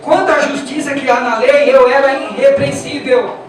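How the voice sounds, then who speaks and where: A man with a Brazilian Portuguese accent preaches in an emphatic, repetitive way, firing rhetorical questions at his congregation. His voice is heard from a distance with heavy echo, and music plays clearly behind him. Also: very high voice, fairly even intonation, moderate pace. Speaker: pastor. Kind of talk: sermon. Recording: echoey church from afar with music.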